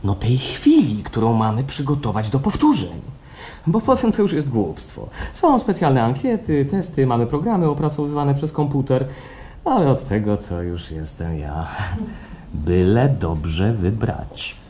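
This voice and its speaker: Theatrical, wildly expressive psychologist. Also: male voice, medium pitch, a little slow. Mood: coaxing. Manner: theatrical, insinuating, swinging from soft to excited. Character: smooth, probing male psychologist, theatrical and coaxing. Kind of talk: radio play acting before a live audience. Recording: live stage recording with background noise.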